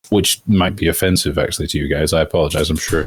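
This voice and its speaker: A man speaks with a very deep, low pitch. His voice is somewhat breathy and his pace fairly quick. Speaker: voice actor. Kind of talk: casual interview chat. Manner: halting, many repeated words.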